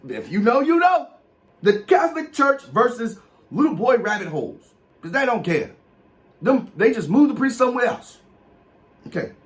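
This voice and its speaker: A man in his thirties speaking African American English, explaining slang and reading out a list in an emphatic, mock-official comedic way with casual asides. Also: very high-pitched. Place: small room with posters, indoors.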